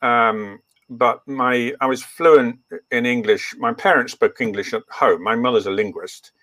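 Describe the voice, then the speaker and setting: A man's voice: mid-range voice, steady tone, measured pace, sharp tone, no room sound. An older man who grew up in East Africa, speaking English with Swahili as his first language, telling his story as a guest in a rambling way full of ums and restarts. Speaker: guest, veterinarian. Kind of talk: relaxed interview storytelling.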